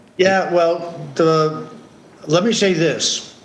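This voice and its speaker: A man speaks at a very slow pace, his pitch fairly high. Noticeable background noise and audible room echo are present. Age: 70s. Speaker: political candidate. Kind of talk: interview. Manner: halting.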